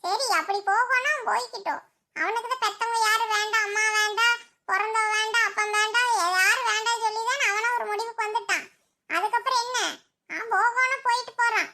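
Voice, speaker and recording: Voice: very high voice, fairly even intonation, brisk, sharp tone, heavily acted. A performer voicing an anguished village mother in a cartoon, with a Kongu Tamil accent and a tearful, reproachful way of pleading. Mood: bitter. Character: anguished village mother, grieving her son.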